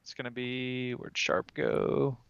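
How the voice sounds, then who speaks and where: A man's voice: medium pitch, flat delivery, slow, gravelly, fairly bright tone, clean tone. A man playing a tabletop game, talking casually as a player on a slightly muffled recording.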